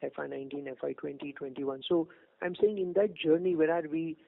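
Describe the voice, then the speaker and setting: Fast-talking, gravelly Indian man on tinny phone. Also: fairly high pitch, fairly even intonation. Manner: insistent, probing. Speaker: analyst asking questions. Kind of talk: informal earnings-call questioning.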